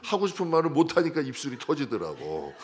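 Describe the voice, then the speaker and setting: Male pastor, lively preaching, high-ish voice swinging wide, jumping from loud outbursts to hushed asides. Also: normal speed, slight background noise. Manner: lively, conversational preaching with sudden loud and soft turns; acts out prayers and dialogue in a raised voice. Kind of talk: sermon.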